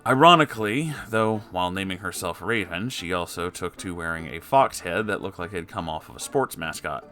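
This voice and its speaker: A man's voice: sits low, expressive, fairly quick, pushed and bright, faint music behind. A man reading a story aloud as a host, breaking in with wry, conversational asides.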